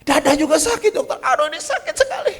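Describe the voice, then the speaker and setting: A man voicing a panicky older man who complains that everything hurts, in a high strained cry. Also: sing-song, fast, fairly bright tone, long reverb tail, exaggerated voice. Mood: panicky, pained.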